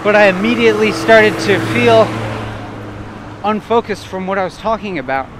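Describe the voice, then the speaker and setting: A man walking outdoors and thinking aloud in short, broken phrases, at times loud and assertive, almost shouting. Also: high-pitched, normal speed, background noise. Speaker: vlogger. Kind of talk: reflective walking monologue. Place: outdoors on a street while walking.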